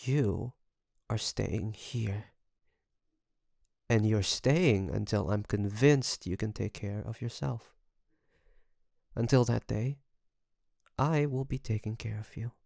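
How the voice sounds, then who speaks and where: A man playing an obsessive, doting kidnapper best friend in an intimate audio roleplay, creaky, coaxing and teasing with soft menace. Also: lowish voice, no room sound, studio quality, full character voice. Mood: doting, controlling. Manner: softly menacing, coaxing, teasing, with drawn-out phrases.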